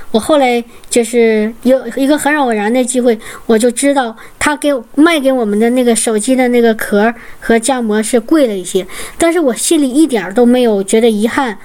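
A woman telling a lively Christian testimony to fellow believers, acting out the dialogue and exclaiming praise. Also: a little high. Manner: animated storytelling, acts out dialogue, exclaims hallelujah. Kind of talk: spoken testimony to a congregation.

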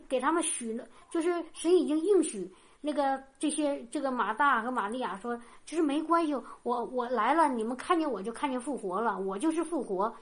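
A woman with a somewhat higher voice gives a casual sermon, reading scripture and explaining it to her congregation. She talks loosely, repeats herself, and softens her sentences with small tags. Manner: informal, often tags sentences with a soft "ha"; loose and repetitive, with frequent restarts. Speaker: preacher. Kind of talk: conversational sermon with Bible reading.

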